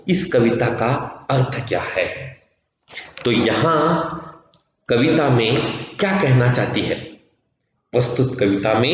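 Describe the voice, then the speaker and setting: Very slow, sing-song male teacher in an echoey hall. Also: mid-range voice, a little hiss or hum. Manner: slow, sing-song recitation with repeated lines; explains words for pupils in Kannada too. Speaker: school teacher. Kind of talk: Hindi poetry lesson for children. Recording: very echoey with long reverb.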